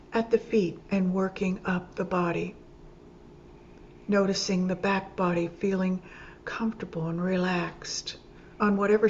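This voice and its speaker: A woman teaching yoga nidra, leading a guided meditation calmly and gently, in short phrases with pauses between them. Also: lowish voice. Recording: dull lo-fi sound with clear background noise.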